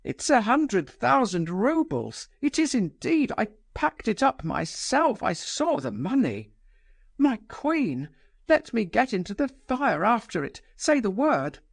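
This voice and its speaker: A man's voice: high voice, huge pitch swings, slow pace, creaky, dry recording, studio quality, voice pushed up, full character voice. A male audiobook reader voicing a desperate, grey-haired little man who wails and begs on his knees. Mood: pleading. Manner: pleading, wailing.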